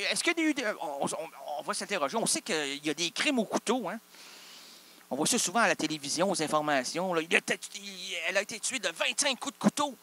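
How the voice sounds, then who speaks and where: A man's voice: high voice, bright, forceful tone. A man with a Québécois accent improvising an absurd comic monologue, rambling through wordplay and asking and answering his own questions. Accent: Québécois French. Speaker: comic performer.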